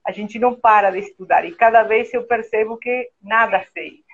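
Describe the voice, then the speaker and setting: A woman with an Argentine Spanish accent, a guest architect speaking slowly and hesitantly with many fillers in a casual conversation. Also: fairly high pitch, breathy edge, dull audio. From Argentina (Buenos Aires), born in Brazil. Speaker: guest, architect and interior designer.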